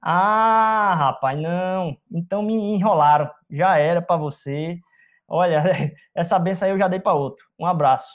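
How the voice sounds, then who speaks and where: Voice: medium pitch, normal speed, natural voice. Um pregador fazendo um velho pai debochado. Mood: offhand. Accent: Brazilian Portuguese. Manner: joking, offhand retelling. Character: old blind father, casual and dismissive. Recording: dull lo-fi recording.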